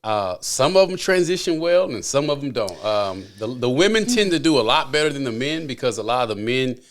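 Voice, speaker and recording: A man's voice: medium pitch, big pitch swings, brisk. A man hosting a podcast, chatting casually and animatedly, often repeating his phrases. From American South. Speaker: podcast host. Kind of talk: casual interview chat.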